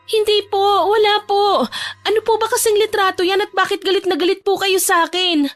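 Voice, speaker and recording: Woman doing a pleading teenage daughter, high and shaky. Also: fairly even intonation, brisk, no echo. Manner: tearful, pleading, respectful. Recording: faint music behind.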